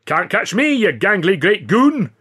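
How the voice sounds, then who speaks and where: Guy doing a bossy wee scottish comedian for an audiobook, cocky n impatient, raised pitch. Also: sing-song, unhurried, a bit bright, slightly rough, exaggerated voice. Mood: taunting, shouting. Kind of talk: audiobook character voice.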